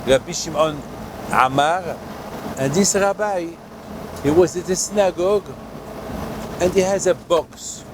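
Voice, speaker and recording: Older rabbi from morocco giving a slow halting sermon outside, lots of uhs, traffic noise behind. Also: male voice, fairly high pitch. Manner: halting, many fillers and restarts. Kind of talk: sermon at a holy site.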